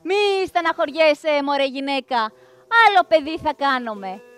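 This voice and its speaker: A woman's voice: sits high, animated, faint music behind. A woman storyteller voicing a greedy, callous tyrant god and father who blusters and mocks. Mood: mocking. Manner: blustering, mocking. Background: faint live plucked strings.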